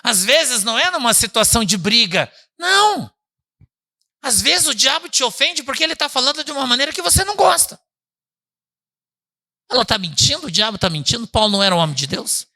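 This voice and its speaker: A man preaching a conversational sermon as pastor at a church service, often asking the listeners "né?" and calling them brother, swinging between loud emphatic bursts and low quiet asides. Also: very animated, a little fast. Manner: chatty, asks the congregation "né?" and calls them "irmão".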